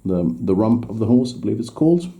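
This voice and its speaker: Here a Swedish-born man talks fast and animatedly through an English-language miniature painting tutorial, his voice warm and on the low side. Even so, he is hesitant, breaking off to correct himself and restarting mid-task.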